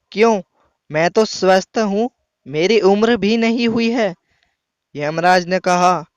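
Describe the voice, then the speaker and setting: Male comic narrator, high-pitched, brisk anecdotal reads. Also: smooth, no echo. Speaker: joke narrator. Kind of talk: scripted comic joke reading. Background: music.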